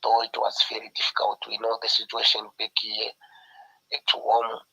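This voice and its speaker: Hoarse, gravelly man, slow and flat. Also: on the low side, rough recording. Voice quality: husky, gravelly. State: hoarse from a flu. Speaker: journalist. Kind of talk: online panel discussion. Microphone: video call.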